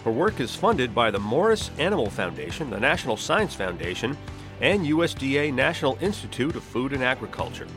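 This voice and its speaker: A man's voice: mid-range voice, sing-song, fairly quick, over music. A man hosting a podcast, reading scripted narration in the manner of a nature documentary. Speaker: podcast host.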